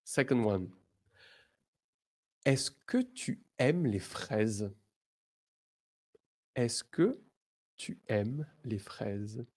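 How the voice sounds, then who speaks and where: A male teacher leads a beginner lesson. He speaks very slowly, giving each word room. His pitch swings up and down with lively emphasis. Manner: slow, deliberate, lively, switches between English and French. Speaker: French teacher.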